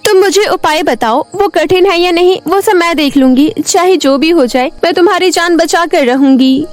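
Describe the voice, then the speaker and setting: A woman's voice: very high-pitched, moderate pace, soft background music, pitched above the performer's own voice. A woman voicing a brave, devoted young village girl in a cartoon story, emphatic and determined. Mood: determined, earnest. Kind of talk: cartoon moral story voice acting.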